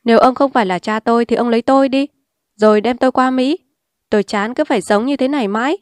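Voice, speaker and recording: A woman's voice: a little high, fast talker, dry recording, studio quality, natural voice. A woman voicing a defiant, streetwise young woman who speaks bluntly and scornfully. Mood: brazen. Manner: blunt, scornful and sharp-tongued.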